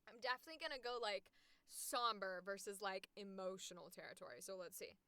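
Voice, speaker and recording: A woman talks casually on a livestream with a bright, smooth and clear voice. Her manner is animated and informal, reacting eagerly. The sound is dry, with no room to it. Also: medium pitch, brisk, no echo. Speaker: voice actor hosting a livestream.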